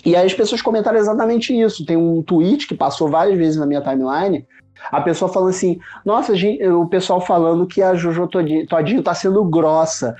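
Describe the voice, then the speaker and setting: A man's voice: sits high, fairly quick, mellow. A man from Rio de Janeiro with a Carioca accent, talking casually as a podcast guest in informal Rio street slang, recorded on a phone. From Rio de Janeiro, Brazil. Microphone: mobile phone. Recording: muffled phone recording with music behind. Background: music.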